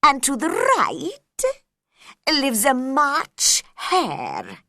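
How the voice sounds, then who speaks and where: A calm, teasing storybook cat that grins through every riddle, voiced by a woman reader. It drags each word out at a very slow, knowing pace, and its tone is bright and clear. The sound is dry and close. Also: high voice, no echo, voice pushed up, full character voice. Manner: slow, drawn-out, knowing delivery.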